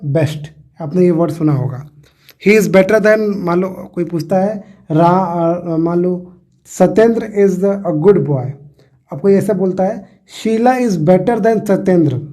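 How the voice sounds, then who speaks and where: Young male teacher, mellow tone, patient explainer who repeats examples. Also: high-pitched. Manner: patient, repeats points and spells out examples, frequent "uh" fillers. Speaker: English grammar teacher. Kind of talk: casual explanatory lesson.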